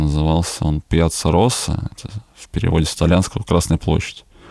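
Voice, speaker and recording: A man speaks in a very deep, low voice at a moderate pace. His intonation is fairly even, and the sound is dry and close with no echo. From Moscow, Russia. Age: 20s. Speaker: courier and fitness trainer. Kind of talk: interview storytelling. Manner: casual, with many filler words.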